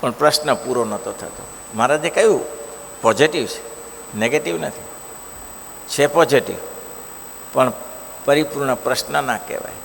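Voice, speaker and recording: A male preacher giving a devotional scripture discourse, telling stories in an animated way and asking the listeners rhetorical questions. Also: medium pitch, normal speed, vocal fry, long pauses. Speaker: religious preacher. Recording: long hall reverb, faint noise.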